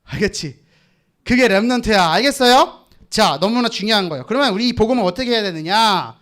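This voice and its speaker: A man's voice: high voice, lively intonation, brisk, a bit bright. A young man leading a children's sermon, calling out lines for the kids to repeat and teasing them by name. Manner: call-and-response with kids, teasing. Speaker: children's pastor. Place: church children's worship room.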